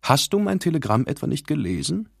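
A man's voice: a little high, very animated, brisk, creaky, breathy edge, no echo, studio quality, pitched above the performer's own voice, heavily acted. A man doing a smug, mocking rival. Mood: teasing. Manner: taunting, with mock surprise. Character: smug, mocking male rival, a vain show-off.

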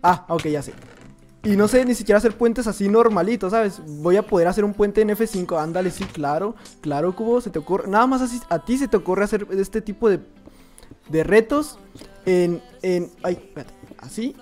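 A young man with a Mexican accent giving excitable, jokey gameplay commentary and talking to himself as he plays. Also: sits high, normal speed, faint music behind. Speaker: gaming youtuber.

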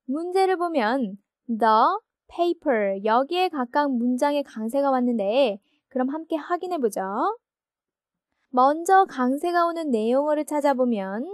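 Casting: high-pitched woman teacher, patient explainer, dry close sound. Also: dry recording. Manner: patient, asks rhetorical check questions. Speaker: English teacher. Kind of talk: explaining a lesson.

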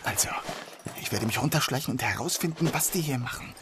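An actor playing a composed, dryly confident police detective in a German crime audio drama. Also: male voice, mid-range voice, lively intonation, noisy background, lightly acted. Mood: wry, hushed. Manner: measured, dry, commanding.

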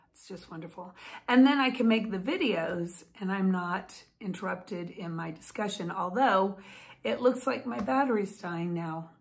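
A woman in her fifties, who vlogs and writes, talks to camera from a room at home in an expressive, medium-pitched voice at a measured pace. Her casual talking-head style is chatty and upbeat, with plenty of hand gestures, picked up close by a phone or webcam.

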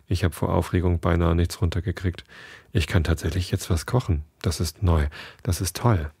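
A man hosting a podcast, reading a first-person story in a calm, measured way. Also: deep voice, husky, no room sound.

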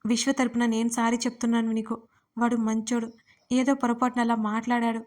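A woman's voice: a little high, flat delivery, brisk, a little mellow, lightly acted. A woman voicing a tearful, hesitant young woman in a spoken audio story.

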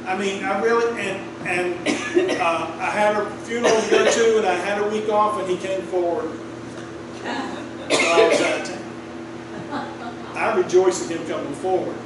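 A man's voice: high voice, measured pace. A middle-aged man preaching a conversational sermon, telling a story and drawing answers from the congregation in a small wood-paneled church. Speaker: pastor. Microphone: room mic from a distant camera. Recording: echoey room, distant mic, clear air-conditioner hum.

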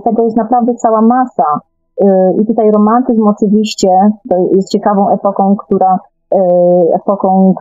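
A woman's voice: medium pitch, warm tone, no echo. A woman speaking as a guest in a radio discussion, explaining eagerly and often rephrasing herself. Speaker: guest author. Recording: narrow, tinny phone-like call line.

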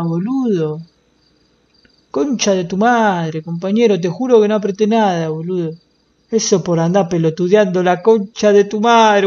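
Profane, excitable Argentine man. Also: high voice, dull audio. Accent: Rioplatense Argentine. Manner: profane, excitable, bursts into loud wailing. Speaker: streamer playing a roleplay game. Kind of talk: casual gaming chat.

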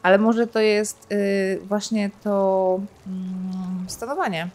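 A woman's voice: medium pitch, steady tone, slow pace, a little mellow, a little hiss or hum. A woman casually commenting while playing a game, thinking aloud and adding playful sound effects over faint game sounds. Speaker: gaming streamer. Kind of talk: casual let's-play commentary.

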